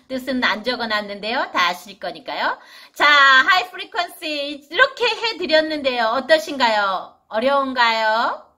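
A woman's voice: high voice, sharp tone. A middle-aged woman giving a casual spoken vocabulary lesson for parents, stretching out and repeating English words as she explains them in a chatty way.

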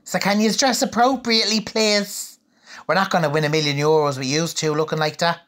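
A woman doing a low, scornful Irish man. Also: steady tone, a little fast, fairly bright tone, lightly acted. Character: bossy bitter Irish man scheming for TV.

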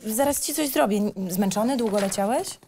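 A woman's voice: on the high side, a little fast, dark tone, a little hiss or hum, natural voice. An actress playing a caring, fussing mother with a tender manner in an audio drama script reading.

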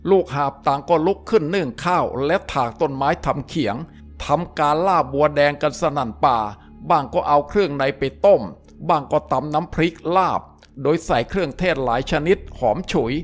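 A male storyteller reads an adventure novel aloud in a steady, descriptive manner. His voice sits somewhat high for a man. Faint music plays underneath. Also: moderate pace. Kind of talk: audiobook-style story narration.

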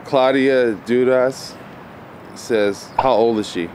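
A man's voice: medium pitch, takes it slowly, a little mellow, a little hiss or hum. A man behind the camera, teasing and laughing as he reads out viewer comments outdoors. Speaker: channel host, off camera. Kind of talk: casual teasing chat. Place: backyard, outdoors.

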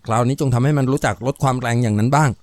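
A man voicing a tough, righteous hero in a story, giving deliberate commands. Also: medium pitch, a little mellow, no room sound, natural voice. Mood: commanding.

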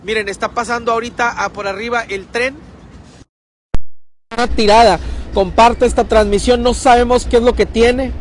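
High-voiced man reporting live outdoors. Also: steady tone, moderate pace, slight background noise. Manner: urgent, calls out loudly across the river. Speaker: local news reporter. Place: outdoors at a riverbank.

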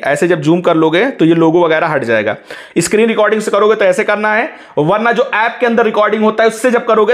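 Male tech tutor, high-pitched, rapid delivery, hands-on step-by-step voice-over. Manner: instructive, keeps saying "look" to guide viewers. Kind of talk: screen-recorded app tutorial. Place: voice-over on a phone screen recording.

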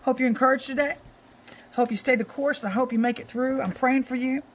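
A woman's voice: high voice, steady tone, a little fast. A middle-aged woman with a scratchy voice, giving an informal, emphatic Christian exhortation as a show host, repeating key phrases.

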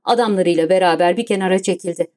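A woman's voice: lowish voice, rapid-fire, darkish tone. Woman narrating an audiobook.

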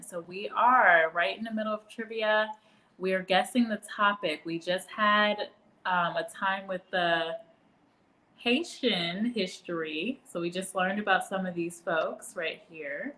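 A woman's voice: mid-range voice, unhurried, pushed and bright, echoey room, low-quality recording. Chatty woman hosting live trivia. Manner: chatty, greets viewers by name, laughs often. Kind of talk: casual live-stream quiz hosting.

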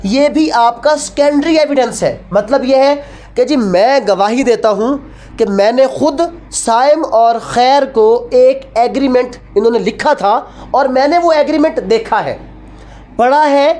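High-pitched Pakistani woman lecturing. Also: a little slow, dark tone. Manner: didactic, asks rhetorical questions and answers them; mixes Urdu with English legal phrases. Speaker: law teacher. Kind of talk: classroom lecture.

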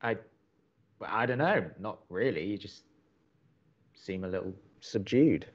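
A man plays an earnest young college radio co-host in an audio romantic comedy. His pitch moves around a lot as he hesitates and stammers reassurances. The sound is slightly dull. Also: lively intonation, measured pace, breathy edge, exaggerated voice. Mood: awkward, encouraging. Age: young adult. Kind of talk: naturalistic romantic comedy podcast acting.

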